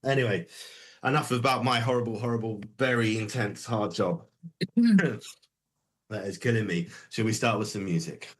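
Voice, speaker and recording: A man's voice: fairly low pitch, lively intonation, normal speed. A man co-hosting a music livestream, chatting casually with lots of hesitations. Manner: rambling, easygoing, many hesitations. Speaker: co-host of a music review livestream. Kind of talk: casual chat.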